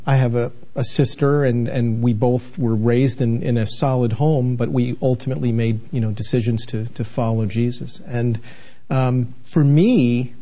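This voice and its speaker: A man in his sixties from New England tells his story in an earnest, meandering way, stopping to restart his sentences. His voice is mellow and dark. The recording sounds a little dull and muffled. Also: medium pitch. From New England, United States. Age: 60s. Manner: earnest, rambling, with many restarts and fillers. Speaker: television station manager, guest. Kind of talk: candid interview conversation.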